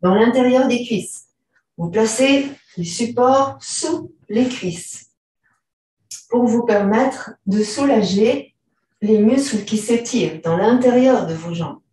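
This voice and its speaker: A woman teaching a yoga and stretching class, giving slow, calm instructions and often clearing her throat. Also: on the high side. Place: large room during an online class. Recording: very echoey room, far from the mic.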